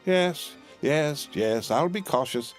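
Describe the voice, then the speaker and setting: A man voicing a fussy, fiercely loyal middle-aged woman servant who talks brisk and emphatic. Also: mid-range voice, animated, a little mellow, soft background music, voice pushed up, lightly acted.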